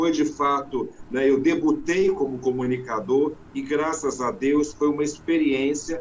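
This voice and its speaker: A man talks at a fairly high pitch and a fairly slow pace, with ordinary pitch variation. Noticeable background noise runs underneath. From Rio de Janeiro, Brazil. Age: 60s. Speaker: singer and radio presenter. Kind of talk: interview. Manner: formal.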